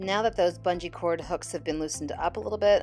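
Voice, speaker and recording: A woman talks while music plays behind her. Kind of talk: tutorial.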